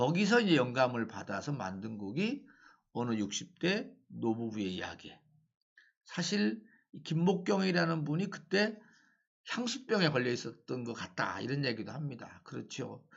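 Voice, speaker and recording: Very wide pitch swings mark speech delivered at a fairly slow pace. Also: man, medium pitch for a man. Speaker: YouTuber. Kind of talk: news commentary. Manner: casual, halting with fillers.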